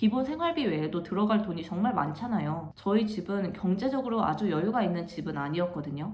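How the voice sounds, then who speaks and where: A woman of medium pitch speaks at a fairly quick pace with hardly any pauses and very wide pitch swings, over noticeable background noise. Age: 20s. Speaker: personal finance vlogger, office worker. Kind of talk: personal vlog narration.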